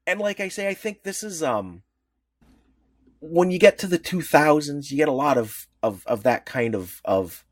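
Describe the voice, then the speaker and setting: A male podcast co-host talking in a loose, rambling way, often breaking off and restarting mid-sentence. His pitch swings widely as he talks. The recording is dry and close, with no room sound. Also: normal speed, dry recording. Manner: rambling, animated, many restarts. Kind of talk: casual chat.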